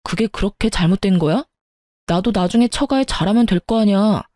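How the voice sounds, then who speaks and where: A peevish husband who always takes his mother's side, read by a woman narrator in a soft, mellow voice. The delivery is accusing and irritated. It is recorded close and dry, without room echo. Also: medium pitch, brisk, lightly acted. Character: sulky husband siding with his mother, defensive. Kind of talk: storytelling radio.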